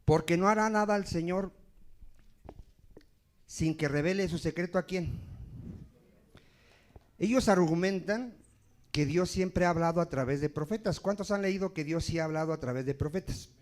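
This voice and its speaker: A man's voice: on the high side, normal speed, darkish tone. A man preaching a sermon as pastor in a church, emphatic and asking the congregation questions.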